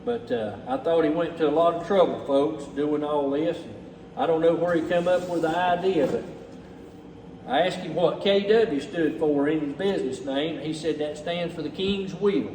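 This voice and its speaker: A man's voice: fairly high pitch, moderate pace, a little mellow. A man with a Southern US accent talking casually and off the cuff to the camera in a folksy, plainspoken way. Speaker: relief effort organizer presenting donations. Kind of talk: casual unscripted talk to camera. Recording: echoey, distant mic, faint background noise.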